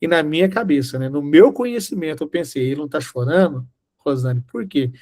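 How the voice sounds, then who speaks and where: A man's voice: fairly high pitch, animated, fairly quick, darkish tone. A man preaching a sermon, telling a personal story and acting out the dialogue. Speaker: Bible teacher.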